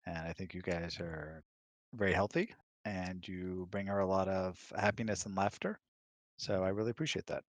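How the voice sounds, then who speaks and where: A man chatting casually, explaining his views in a measured, reflective way. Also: low voice, steady tone, no echo. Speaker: guest, husband of the host. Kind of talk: casual chat.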